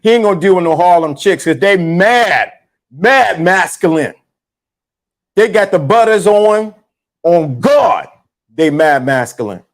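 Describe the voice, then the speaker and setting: Man, high voice, loose slangy live-stream host who circles back on his points. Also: measured pace. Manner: loose, animated, repeats himself, slangy. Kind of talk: casual live-stream commentary.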